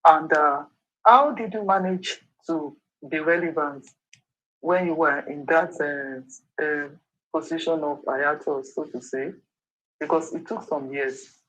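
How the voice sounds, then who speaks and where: A woman's voice: low voice, takes it slowly, fairly bright tone, rough recording. A woman, hosting and asking questions in a conversational interview style. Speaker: interviewer, talk show host.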